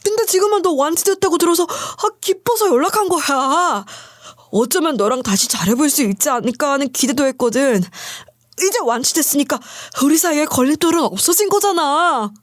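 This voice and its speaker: A woman's voice: high voice, expressive, brisk, no echo, studio quality, voice pushed up. A woman voicing a self-pitying, remarried ex-husband who pleads and makes excuses in a storybook reading. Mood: coaxing.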